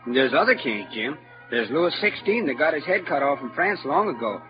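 An actor voices Huck, a boastful, clever frontier boy with a rural Southern dialect, for an old radio drama that sounds dull and lo-fi, with music behind. He speaks at mid-range pitch in a brisk, sing-song, near-everyday way. The delivery is lecturing, bright, and showy, like a know-it-all.

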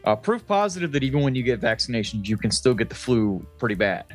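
A man co-hosting a comedy podcast, telling casual, profane anecdotes in a chatty, animated way. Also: mid-range voice, fast, soft background music. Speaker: podcast co-host. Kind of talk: casual comic storytelling chat.

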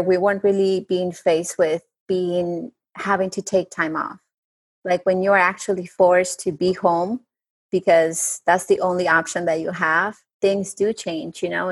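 A woman's voice: on the low side, slightly rough. A woman from Colombia with a Colombian Spanish accent, speaking as a guest coach in an earnest, hesitant way with fillers and restarts. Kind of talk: casual interview talk.

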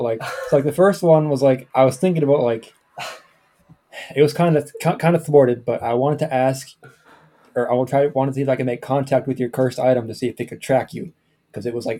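A man's voice: mid-range voice, dark tone. A man on a podcast, a tabletop player, talking through a list of ideas in a hesitant, casual way.

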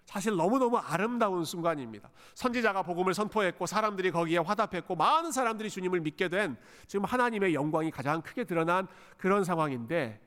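A male pastor delivering a Sunday sermon, expressive and dramatic, dropping English phrases into his preaching. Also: high-pitched, fast, hardly any pauses. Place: church sanctuary. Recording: long church hall reverb.

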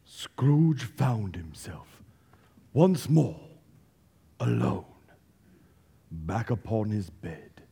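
A man playing a storybook narrator in a staged radio play, telling the tale in an expressive, drawn-out, dramatic way. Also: on the low side, breathy edge, full character voice. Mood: hushed, suspenseful. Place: theater stage. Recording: live stage recording with music underneath.

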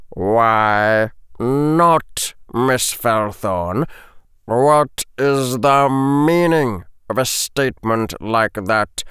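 A man voicing a stern, cold middle-aged male teacher in a storybook reading, speaking in a measured, restrained way. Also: medium pitch, fairly bright tone, smooth, no room sound, clean studio sound.

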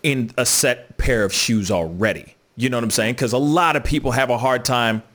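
Easygoing guy hosting a chat, middle pitch, lots of filler phrases. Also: normal speed, fairly bright tone. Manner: laid-back, repeats "you know what I'm saying". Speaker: host. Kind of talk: casual conversation.

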